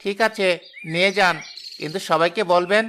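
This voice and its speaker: Brief: fawning village cattle trader for a cartoon; high, wheedling voice. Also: male voice, moderate pace, sharp tone, a little hiss or hum. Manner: deferential, wheedling. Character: flattering village cattle seller, haggling. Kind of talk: cartoon voice acting.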